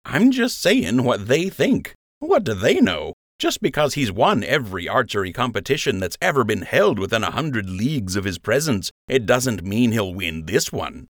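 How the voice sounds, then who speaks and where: A man's voice: mid-range voice, very animated, normal speed, hardly any pauses, no echo, clean studio sound, voice pushed up. A man voicing a playful, smirking young male rabbit who teases his friend in an audiobook. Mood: cheeky. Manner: wry, smirking, playful teasing. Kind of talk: audiobook character voice.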